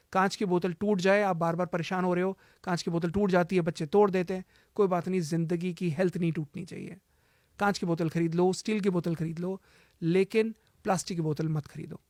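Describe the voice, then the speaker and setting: A cancer healer with a fairly high, slightly mellow voice gives emphatic health advice in an interview, repeating his warnings to drive them home. He mixes English phrases into his Hindi, and the recording is close and dry with no room sound.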